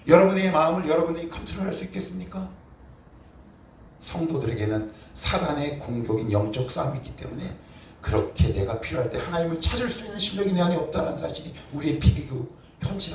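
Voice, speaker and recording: Guy preaching a sermon, kinda high voice, punchy question-and-answer delivery, echoey room w/ a bit of noise. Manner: asks rhetorical questions and answers them himself; emphatic, swinging from quiet to forceful. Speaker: pastor. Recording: roomy echo, distant mic, faint noise.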